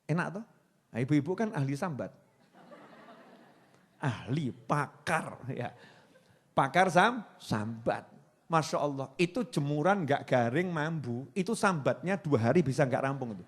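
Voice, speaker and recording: A man's voice: fairly high pitch, lively intonation, unhurried, pauses often, breathy edge. A man in his forties with a Javanese accent, preaching a playful Islamic sermon and acting out the voices he quotes. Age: 40s.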